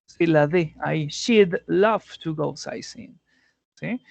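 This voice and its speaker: A man's voice: on the high side, slow, vocal fry, no echo. A male English teacher explaining grammar in an online class, patiently going step by step and often checking in with his students.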